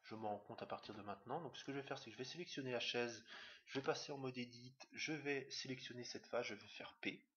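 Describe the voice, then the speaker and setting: A man teaching a screen-recorded software tutorial, talking fast and hesitantly with many fillers. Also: medium pitch. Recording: dull lo-fi mic with faint hiss.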